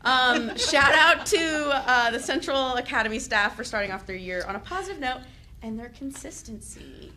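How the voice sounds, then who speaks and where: A young woman who is a teacher reads shout-outs at a school board meeting, chatty and loud, with laughing asides. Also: high-pitched, expressive, normal speed. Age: young adult. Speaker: teachers association representative.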